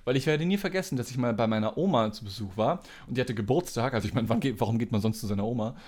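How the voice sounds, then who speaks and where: A young man from Germany in casual podcast chat, teasing his friends and telling animated stories. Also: mid-range voice, very fast. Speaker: podcast co-host.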